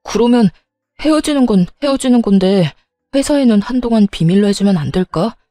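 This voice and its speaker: A woman's voice: medium pitch, expressive, fairly quick, warm tone, dry recording, studio quality, close to an everyday voice. A woman voicing a weak, self-serving young husband who keeps begging in a storybook narration. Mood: pleading.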